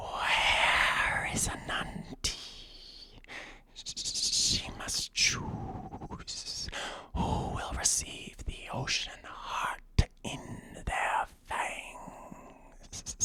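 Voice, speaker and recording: In a put-on character voice, the speaker whispers and hisses at a very slow pace. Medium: read story. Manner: whispering, hissing.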